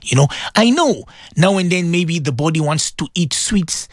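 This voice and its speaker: Man, middle-aged, radio host, emotional, pleading, lively pitch, dry close sound. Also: moderate pace, dry recording. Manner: emotional, pleading, repeats himself. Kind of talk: religious radio talk to listeners.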